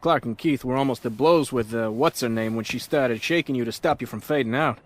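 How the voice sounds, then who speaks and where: A man's voice: mid-range voice, brisk, close to an everyday voice. An actor playing a lovesick, sheepish man in an audio drama, talking in a hesitant, rambling, self-deprecating way. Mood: concerned, casual. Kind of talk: audio drama acting, conversational.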